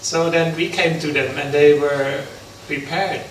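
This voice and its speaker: Slow, halting monk in an echoey hall. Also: male voice, fairly high pitch, fairly even intonation. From Netherlands. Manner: halting, many pauses and fillers. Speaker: Buddhist monk giving a talk. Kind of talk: unprepared talk at an interfaith forum. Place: large hall. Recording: echoey hall from far off, background noise.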